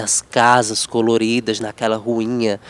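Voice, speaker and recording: A man with a Cearense accent, in a dry, close sound with no echo. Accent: Cearense (Brazilian northeastern) Portuguese. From Juazeiro do Norte, Ceará, Brazil. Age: 20s. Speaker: actor and production director. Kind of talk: casual chat.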